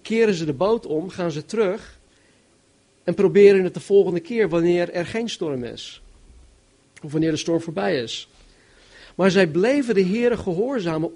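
Male preacher, sermon, somewhat high voice, animated, emphatic. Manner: animated, emphatic, varies loudness widely. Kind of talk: sermon, Bible exposition.

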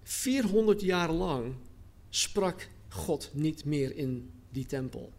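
A man preaching a sermon, reading scripture aloud and then explaining it earnestly, repeating phrases and slowing down on key words. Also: on the high side, lively intonation, creaky, a little mellow.

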